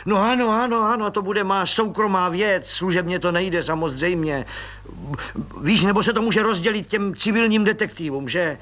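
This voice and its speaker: A man voicing a fussy, excitable older army colonel who pleads and gushes. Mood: pleading. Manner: pleading, then booming and effusive.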